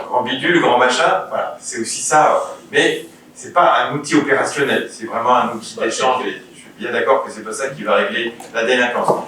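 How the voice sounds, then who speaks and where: A man with a French accent speaking as a mayor chairing a council meeting, explaining formally in a measured, somewhat hesitant way. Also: medium pitch, a bit bright. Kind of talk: formal council speech, partly improvised explanation. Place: indoor council meeting room. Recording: very echoey meeting room, distant mic, faint noise.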